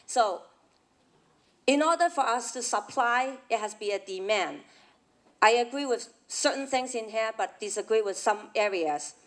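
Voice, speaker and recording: A woman who is a long-time local resident and candidate, giving a blunt, plain-spoken debate answer. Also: fairly high pitch.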